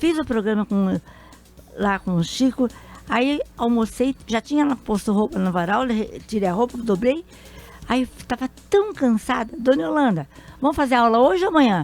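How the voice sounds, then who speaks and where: Very wide pitch swings and long, frequent pauses, with music in the background. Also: woman, fairly high pitch for a woman, moderate pace. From Brazil, São Paulo. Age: 70s. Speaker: retired schoolteacher. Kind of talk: radio interview. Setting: radio studio.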